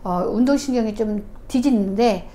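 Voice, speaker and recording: A woman shaman telling her story in an interview, animated and acting out the voices she quotes. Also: medium pitch, normal speed, a little hiss or hum.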